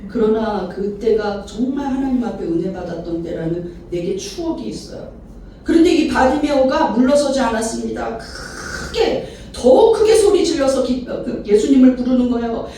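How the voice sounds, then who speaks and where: A woman pastor giving an animated sermon at a church retreat, acting out the cries she quotes. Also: a little high, normal speed, slight background noise. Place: church sanctuary. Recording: echoey hall, mic at a distance.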